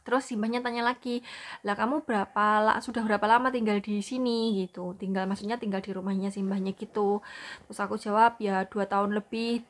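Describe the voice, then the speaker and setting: A woman's voice: mid-range voice, slight background noise. A young Indonesian woman with a Javanese accent, chatting casually to her viewers about looking after an elderly person at home. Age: young adult. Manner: chatty, explaining, often says "gitu". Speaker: vlogger, caregiver for an elderly person. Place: home in a city. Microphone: phone.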